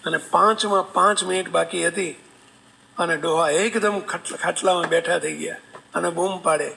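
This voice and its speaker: A man telling a devotional story as a sermon, animated, acting out voices and asking listeners questions. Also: fairly high pitch, moderate pace, gravelly, slight background noise, poor audio. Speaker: religious storyteller.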